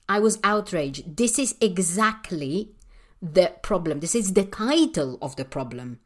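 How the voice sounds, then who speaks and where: A woman from Poland with a Polish accent, hosting a podcast and delivering a passionate, emphatic monologue full of rhetorical questions and fillers. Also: medium pitch. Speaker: podcast host and English teacher trainer.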